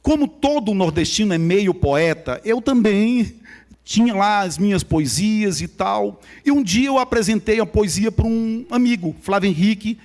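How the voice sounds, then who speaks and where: A man from São Luís, Maranhão, tells the congregation his personal testimony as a guest speaker, in the local Brazilian Portuguese accent. High-pitched and a little mellow, he keeps a measured pace with lively intonation, speaking directly to the audience like a conversational storyteller.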